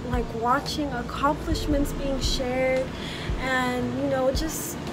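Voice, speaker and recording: A woman talks at a very slow pace. Music can be heard behind her. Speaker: travel vlogger. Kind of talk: casual vlog chat. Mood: happy, grateful, reflective. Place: street. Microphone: phone near.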